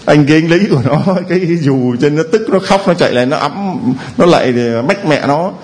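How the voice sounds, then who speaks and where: A man's voice: fairly high pitch, brisk, darkish tone. A Catholic priest preaching a sermon to his congregation in a church, playful and humorous, acting out the voices of the people he quotes.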